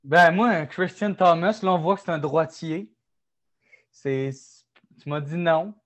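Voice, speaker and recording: Punning Quebec French co-host, slightly high. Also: male voice, slow. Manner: joking, makes puns. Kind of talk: casual sports chat.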